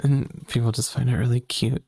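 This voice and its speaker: A woman's voice: very deep voice, normal speed, creaky, slightly rough. A trans woman co-hosting a casual podcast, chatty and giggly, tired and working on a feminine voice. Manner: giggly, laughs often, animated. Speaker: podcast co-host and streamer. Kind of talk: casual chat.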